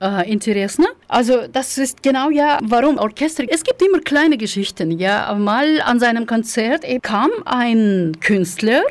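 A woman's high voice in a Russian accent, fairly slow and lively in intonation, with very even loudness. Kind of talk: bilingual radio show presentation. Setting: studio.

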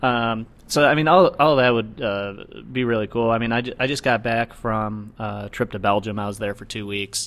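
The speaker talks at a moderate pace in a very clean recording with a silent background. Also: man. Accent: American. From Chicago. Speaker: brewer. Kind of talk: casual chat. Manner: halting, many fillers.

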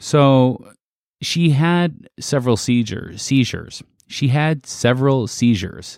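Speaking with a Chicago accent, a man keeps a fairly slow pace, a medium pitch, ordinary pitch variation and very even loudness. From Chicago South Side. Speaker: podcast co-host. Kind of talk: casual chat.

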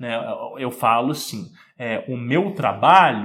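Lively intonation in a man's voice of medium pitch. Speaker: podcast host and reiki teacher. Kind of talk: live stream chat with listener reports. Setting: studio.

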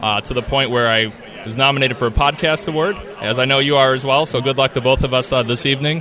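Noticeable background noise sits behind a man speaking fairly quickly at a medium pitch with ordinary pitch variation. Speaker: podcaster. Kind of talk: casual interview. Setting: live event.

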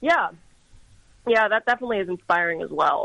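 Over a quiet background, a woman with an ordinary speaking voice talks at a fairly quick pace with lively intonation. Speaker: musician. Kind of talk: casual radio interview.

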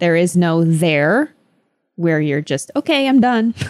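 A woman with an ordinary speaking voice, fairly low in pitch, at a moderate pace and with lively intonation, in a very clean recording with a silent background and a dry, close sound with no echo. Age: 20s. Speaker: fitness podcast co-host. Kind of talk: casual interview.

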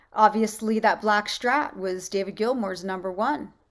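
A normal speaking voice from a woman, fairly high-pitched, ordinary in pitch variation, at a moderate pace. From Canada. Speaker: photographer and author. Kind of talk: interview.

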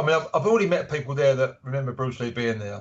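The somewhat breathy voice moves at a very fast pace with ordinary pitch variation. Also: man. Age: 50s. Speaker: author and martial arts instructor. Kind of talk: casual interview.

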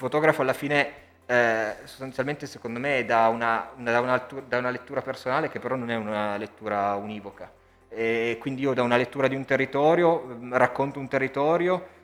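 A man talks at a fairly quick pace with ordinary pitch variation against noticeable background noise. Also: medium pitch for a man. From northern Italy, Turin. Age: 30s. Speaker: photographer. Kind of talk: interview. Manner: halting, many fillers and repetitions.

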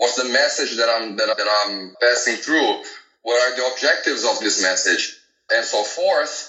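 A man with a Portuguese accent talks at a moderate pace amid audible room echo. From Brazil. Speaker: martial arts champion and fitness coach. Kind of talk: casual interview. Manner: energetic.

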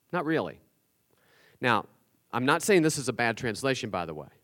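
Speaking with vocal fry at a fairly quick pace, a man with a West Virginia accent and medium pitch comes through on a very clean recording with a silent background. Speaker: guest preacher. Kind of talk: sermon.

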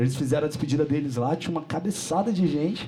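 At a fairly quick pace, a man with a normal speaking voice talks at fairly high pitch with ordinary pitch variation. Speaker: rock band member. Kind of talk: casual interview.

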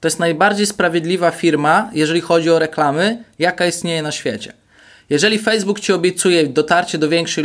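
A man with a high pitch talks at a very fast pace, his pitch varying in an ordinary way. The recording is very clean with a silent background. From Poland. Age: 30s. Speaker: entrepreneur and social media marketer. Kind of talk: interview.

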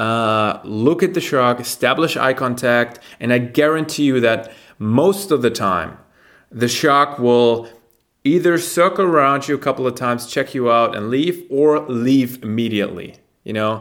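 A man with a German accent speaks at a fairly slow pace, his medium pitch moving with ordinary variation. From Germany. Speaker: freediver and biologist. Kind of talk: interview.

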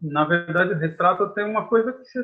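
High-pitched male speech with ordinary pitch variation, moving at a moderate pace. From Brazil, São Paulo. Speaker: illustrator and art teacher. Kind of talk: casual interview.

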